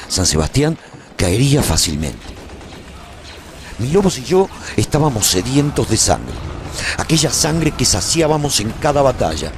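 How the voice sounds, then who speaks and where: An actor playing a battle-weary, lovelorn leader of war wolves, narrating a radio serial in a solemn, dramatic first person. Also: male voice, mid-range voice, slight background noise. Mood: grim, proud.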